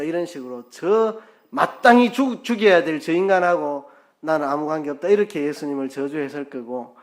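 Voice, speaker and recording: A male pastor preaches in a church sanctuary with a slightly high voice. He tells the story vividly and acts out the characters' lines. His voice jumps loud and falls to a near murmur. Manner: storytelling with acted-out quotes, swinging loud and soft. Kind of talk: sermon.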